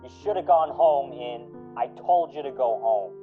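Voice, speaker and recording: Man playing a gruff cop, tinny phone-like sound. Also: medium pitch, expressive, measured pace, natural voice. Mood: angry accusing. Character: gruff, embittered police officer newly in charge, Smith. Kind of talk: amateur radio drama acting. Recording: thin phone-like sound, music behind.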